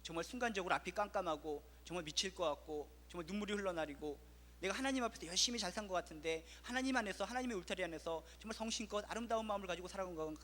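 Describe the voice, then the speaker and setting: Fast, bright-voiced preaching pastor. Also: male voice, high-pitched, long reverb tail. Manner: impassioned, rhetorical questions. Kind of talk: sermon.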